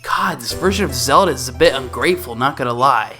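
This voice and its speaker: A man hosts a casual game review in an informal, slightly sweary way. His pitch moves around a lot, and music plays clearly behind him. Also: expressive, a little fast, sharp tone. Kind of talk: casual video commentary.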